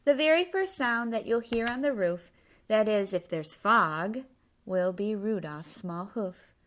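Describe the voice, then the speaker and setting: Slow-paced woman reading a children's story aloud. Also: mid-range voice. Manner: animated, emphatic rhyming delivery. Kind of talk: expressive children's read-aloud with explanatory asides.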